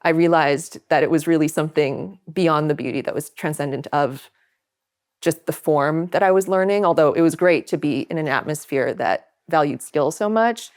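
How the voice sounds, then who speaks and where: A woman's voice: sits low, moderate pace. A young woman from Hawaii with an American accent, an interview guest telling her story in an earnest, thoughtful way. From Hawaii, United States. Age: young adult. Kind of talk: personal, reflective storytelling.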